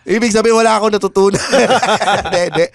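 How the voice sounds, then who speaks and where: A man's voice: high-pitched, fairly even intonation, fast, a loud crowd. A man co-hosting a comedy podcast, chatting casually, joking at his own expense and laughing often. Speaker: podcast co-host.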